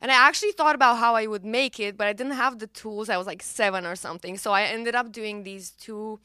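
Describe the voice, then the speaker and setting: A woman's voice: a little high, a little fast, bright, forceful tone, clean tone, dry recording, clean studio sound. A young woman singer-songwriter whose first language is Romanian, chatting casually in an interview, bubbly and full of fillers. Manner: bubbly, filler-heavy, laughs easily.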